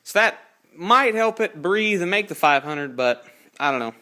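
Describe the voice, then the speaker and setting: Teen guy, 18, showing off his car build in the garage on his phone, bright clear voice, kinda rambly. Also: high voice, animated, moderate pace. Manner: rambling, self-correcting, plain-spoken. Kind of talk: casual garage walkthrough. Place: home garage, indoors. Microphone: handheld phone camera.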